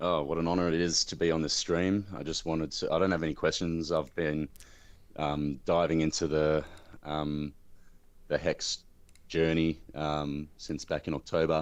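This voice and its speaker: In a very deep, low voice, a man speaks at a moderate pace. His intonation is monotone and flat over a quiet background. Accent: Australian. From Australia. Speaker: caller. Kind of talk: casual chat. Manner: halting.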